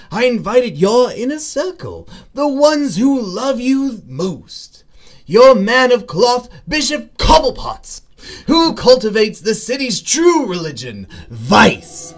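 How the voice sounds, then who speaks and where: A man playing a manic, theatrical villainous clown in a superhero radio drama, taunting in a drawn-out sing-song. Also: very high voice, heavily acted. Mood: mocking. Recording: music behind, sometimes echoing hall reverb.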